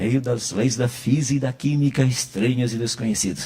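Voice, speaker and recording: Somewhat breathy and dark, mellow in tone, a man speaks at medium pitch and a moderate pace. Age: 60s. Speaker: physicist and creationist lecturer. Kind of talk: lecture. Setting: church.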